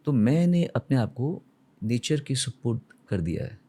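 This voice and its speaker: A man's voice: medium pitch, very animated, a little slow, mellow, breathy edge. Earnest Indian man telling heartfelt stories. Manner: earnest, emotional, mixes English into his speech. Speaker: guest. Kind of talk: reflective conversational storytelling.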